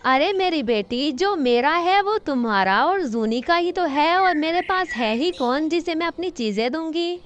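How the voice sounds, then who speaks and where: A woman's voice: sits high, expressive, unhurried, hardly any pauses, slight background noise. A woman voicing an indulgent old grandmother bird in a cartoon, soothing and doting.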